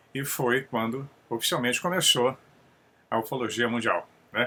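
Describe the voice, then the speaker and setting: This man's voice has a bright, sharp tone, a medium pitch and ordinary pitch variation. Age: 60s. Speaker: UFO enthusiast commentator. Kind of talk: casual monologue commentary. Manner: halting, frequent self-corrections.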